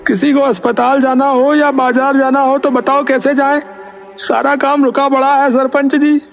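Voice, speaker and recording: A man playing an aggrieved, talkative villager in an animated moral story, complaining in a plaintive, emphatic way. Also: very high voice, moderate pace, vocal fry.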